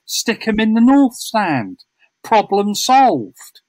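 A blunt man in casual football chat, punching his points with tag questions. His voice is fairly high and bounces around lively. The sound is close and dry. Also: slow, no room sound, low-quality recording. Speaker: podcast co-host.

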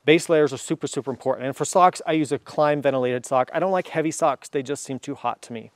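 Outdoors and speaking to camera, a man in his thirties gives an enthusiastic, chatty review of motorcycle gear, using lots of fillers. His voice is medium-pitched and fast, with no room sound.

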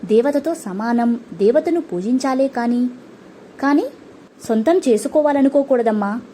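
A woman's voice: fairly high pitch, animated, measured pace, warm tone, a little hiss or hum. A woman voicing a humble, honest young male farmhand in a storybook, speaking meekly and deferentially. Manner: meek, deferential.

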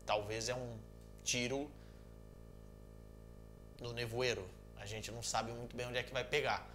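A man in his thirties with a Brazilian Portuguese accent, a football commentator casually answering viewer messages in a joking, animated way from a small room at home. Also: mid-range voice, unhurried, faint music behind. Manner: animated, joking, gestures a lot. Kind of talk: casual chat.

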